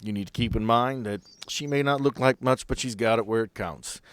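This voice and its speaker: A man as a gruff, wisecracking helicopter pilot. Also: medium pitch, fairly bright tone, natural voice. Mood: dry, welcoming. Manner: brisk, bantering orders. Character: gruff, wisecracking male helicopter pilot, bossy but fond.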